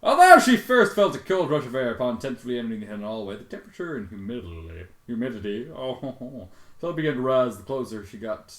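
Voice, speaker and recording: A man giving a dramatic reading with exasperated, sweary commentary and sudden loud outbursts. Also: mid-range voice, sing-song, fast, roomy sound. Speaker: fan fiction reader and commentator.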